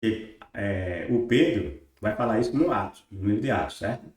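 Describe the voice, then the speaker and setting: A man who reads religious passages slowly aloud, then critiques them in a conversational way, often adding tag questions. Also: on the low side, expressive, darkish tone. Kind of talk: reading aloud and commenting on scripture. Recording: very echoey room.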